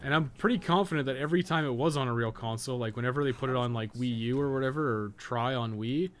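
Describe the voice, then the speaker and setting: A fast-talking man with a medium-pitched voice chats casually on his game livestream. The North American streamer, who also co-hosts a podcast, is blunt, sweary and opinionated as he rambles on.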